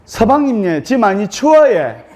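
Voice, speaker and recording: Man putting on a young bride, Gyeongsang accent, loud calls, pleading, high. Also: big pitch swings, a little slow. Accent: Gyeongsang dialect.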